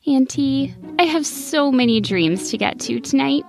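A woman voicing an eager little girl fox in a storybook, excited and pleading. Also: sits high, unhurried, gravelly, faint music behind, voice pushed up, heavily acted.

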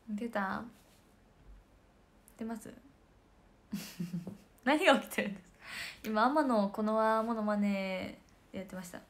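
A woman's voice: medium pitch, pushed and bright. A woman in her late teens hosting a casual livestream, chatting and giggling while reading viewer comments. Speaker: idol livestream host.

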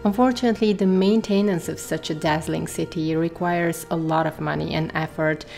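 A woman's voice: low-pitched, fairly even intonation, normal speed, gravelly, a little mellow, faint music behind. A woman vlogger narrating her trip in an enthusiastic, admiring way, with some "um" fillers. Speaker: travel and beauty vlogger. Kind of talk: travel vlog voice-over narration.

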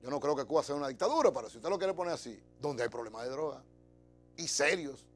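Speaking fast and animated in a mid-range voice, this middle-aged TV host from the Dominican Republic delivers an emphatic, chatty monologue to camera. Faint music plays behind him in the studio, and his lapel mic picks up his Dominican accent.

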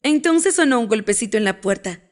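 A woman narrating a romance audiobook with an expressive reading. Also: fairly high pitch, brisk. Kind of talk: scripted narration.

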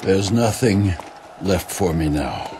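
An actor voicing a weary, easygoing male warrior stepping aside, in a video game cutscene, relaxed and low-key. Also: takes it slowly, background noise. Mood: wistful. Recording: game cutscene with loud crowd ambience.

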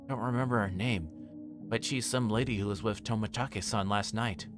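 Man playing a wary schoolboy, visual novel game, guarded, hesitant, low-pitched, background music. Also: fairly even intonation, fairly quick, natural voice. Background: music behind the voice.

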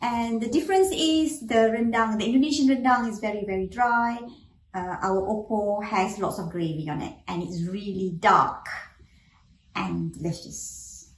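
A woman's voice: mid-range voice, normal speed, echoey room, far from the mic, low-quality recording. A woman chef from Pahang, explaining dishes in a friendly way. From Pahang, Malaysia.

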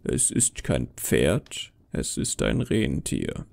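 A man's voice: rumbling low, huge pitch swings, takes it slowly, vocal fry, a little mellow, voice pushed down, exaggerated voice. A man voicing a bitter, deluded immortal Santa Claus with a brooding, falsely friendly manner, in an audio horror story. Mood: earnest. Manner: brooding, contemptuous.

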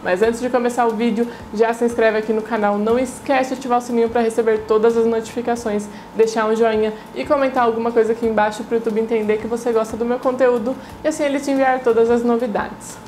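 A woman's voice: on the high side, level tone, fast talker, hardly any pauses, a little mellow, slight background noise. Chatty Brazilian woman giving a recipe. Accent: Brazilian Portuguese. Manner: friendly, chatty, repeats "tá bom?". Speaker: cooking channel host. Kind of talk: recipe tutorial with voice-over. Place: home kitchen studio for the intro.

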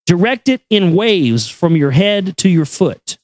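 A man giving a solemn, measured reading of an esoteric text in an incantatory, deliberate manner. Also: high voice, sing-song, a little mellow, dry recording, studio quality. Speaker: reader and commentator. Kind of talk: solemn recitation of an esoteric text with brief asides.

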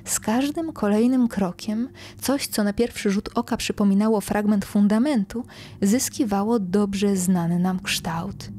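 A young woman narrating a horror tale in a slow, hushed voice that often sinks to a whisper. Her tone is dark and mellow, with a middle pitch. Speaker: podcast host reading her own story. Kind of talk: scripted horror story narration.

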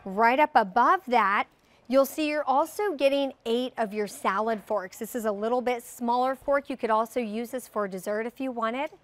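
Woman guest describing flatware. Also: fairly high pitch, moderate pace, no room sound. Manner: warm, descriptive product talk. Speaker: brand representative guest. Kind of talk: live TV shopping presentation. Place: TV studio set.

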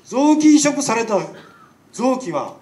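A man with a Nagasaki accent lectures in a high voice, talking in a chatty way and throwing questions at his listeners. He is picked up from a distance in an echoing hall. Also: sing-song, slow, darkish tone. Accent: Nagasaki dialect. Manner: chatty, rhetorical questions to the audience. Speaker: lecturing doctor. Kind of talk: public lecture. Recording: echoey hall, mic far off.

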